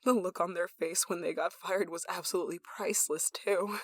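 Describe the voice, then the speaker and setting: Female actor as obsessive yandere coworker-lover. Intimate ASMR drama, sweetly threatening, breathy delivery, very dry close sound. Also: lowish voice, fairly even intonation, a little fast, no room sound. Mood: smug, scheming. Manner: breathy sighs and chuckles, dropping to whispers. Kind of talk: intimate ASMR roleplay acting.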